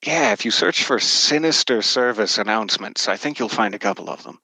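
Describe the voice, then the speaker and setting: This lowish, bright voice belongs to a middle-aged man speaking briskly and forcefully while recounting stories as a podcast interview guest. His humour is wry and self-deprecating, his manner casual, and the low-quality audio carries no room sound.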